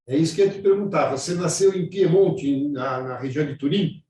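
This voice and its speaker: A man's voice: fairly high pitch, a little fast, mellow, recorded from a distance. A man hosting an online interview show, chatty, with rambling questions full of restarts, recorded in an echoey room away from the mic.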